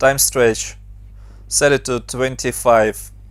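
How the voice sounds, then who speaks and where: Speech at a very slow pace unfolds with music in the background. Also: man. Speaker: motion designer, video tutorial creator. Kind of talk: software tutorial.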